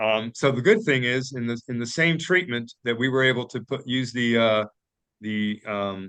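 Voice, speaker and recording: A man with an American accent at a medium pitch, moderate pace and ordinary pitch variation. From Florida. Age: 60s. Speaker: wellness clinic owner. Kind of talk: interview. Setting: podcast. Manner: halting.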